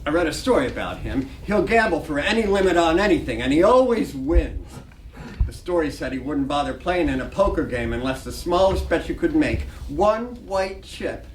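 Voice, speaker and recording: A man as a dreamy night clerk, swooping pitch. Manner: musing to himself, eager and deferential. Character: bored hotel night clerk, dreamy, starstruck, dutiful man. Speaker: actor in a staged play reading. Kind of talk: dramatic reading of a stage play. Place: library reading room. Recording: distant echoey room, faint noise.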